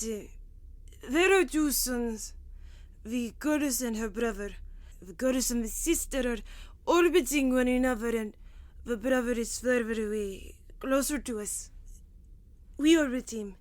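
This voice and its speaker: An earnest, gentle alien woman, played by an actress speaks in a sci-fi audio drama. Her voice is fairly high and hesitant, with simple phrasing, recorded close and dry. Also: unhurried, long pauses, dry recording, close to an everyday voice. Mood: hesitant, explaining.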